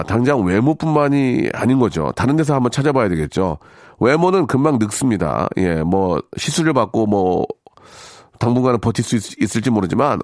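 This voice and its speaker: Guy hosting a radio show, reads listener stuff then rambles politely, really animated pitch, dry studio sound. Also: no echo. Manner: polite, conversational, rambling asides. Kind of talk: reading listener stories and commenting, casual radio talk.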